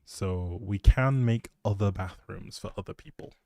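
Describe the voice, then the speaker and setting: Male game streamer, mellow dark tone, informal rambling delivery, recorded dry and close on mic. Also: on the low side, unhurried, gravelly, dry recording. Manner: informal, thinking out loud. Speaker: live streamer.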